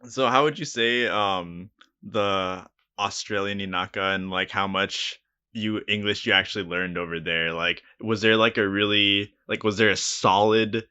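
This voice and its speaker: A man's voice: on the low side, steady tone, measured pace, bright, forceful tone, clean tone, no echo, muffled recording. A man co-hosting a casual podcast interview, asking easygoing questions and laughing often. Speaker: podcast co-host.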